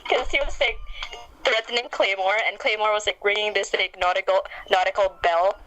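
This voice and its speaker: A woman's voice: medium pitch, steady tone, brisk, fairly bright tone, highs cut off, a little hiss or hum. A young woman chatting casually and animatedly as an interview guest over an internet voice call. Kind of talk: casual chat.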